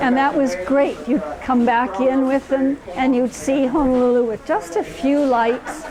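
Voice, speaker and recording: Noticeable background noise sits under the clip. A woman with a high voice speaks very slowly, with ordinary pitch variation. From Hawaii (Oahu). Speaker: retired blood bank worker. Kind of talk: personal life story.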